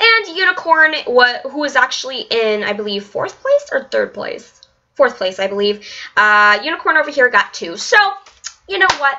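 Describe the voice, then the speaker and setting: A woman's raised, projected voice with very wide pitch swings, over light background noise. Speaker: gaming video creator. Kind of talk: casual gameplay commentary. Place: home room. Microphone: webcam.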